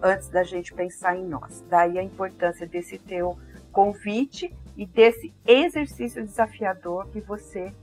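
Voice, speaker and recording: An older woman with a caipira accent from interior São Paulo speaks reflectively about herself in conversation, pausing thoughtfully to search for her words. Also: medium pitch, fairly even intonation, a little mellow, faint music behind. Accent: caipira accent of interior São Paulo, with a strong R. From interior of São Paulo state, Brazil. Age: 50s or older. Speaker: interview guest.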